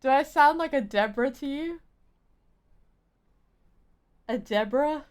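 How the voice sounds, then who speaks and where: A young woman livestreams a game and chats casually with her viewers, her high-sitting voice a little slow. She's playful and silly, exaggerating everything.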